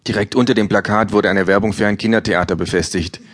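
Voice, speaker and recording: A man reading his own comedic book aloud live on stage, with a dry, deadpan delivery. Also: lowish voice, fast. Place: stage before an audience.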